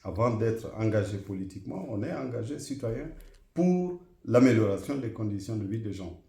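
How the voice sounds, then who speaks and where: A middle-aged man from Guinea, answering interview questions in a measured, formal way with frequent hesitations. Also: on the low side, animated, gravelly, warm tone, echoey room. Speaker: interview guest, association president.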